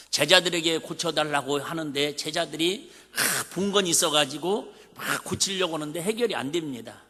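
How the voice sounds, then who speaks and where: This is a pastor, a man in his fifties speaking with a Jeolla Korean accent, whose bright, forceful voice runs a little high. His sermon is folksy and conversational, full of rhetorical questions, and it echoes through a reverberant church hall in the sanctuary.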